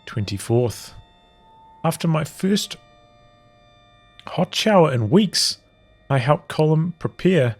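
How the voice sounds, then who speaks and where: A man with a mid-range voice reads journal entries from a visual novel aloud, telling the story in measured, halting phrases broken by pauses.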